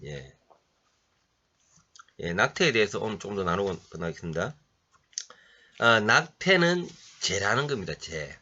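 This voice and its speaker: Guy with a cold giving a sermon, lowish voice but bright edge, keeps clearing his throat, muffled lo-fi recording. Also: big pitch swings. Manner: halting delivery, frequent throat clearing and fillers. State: has a head cold. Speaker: pastor. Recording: dull lo-fi recording.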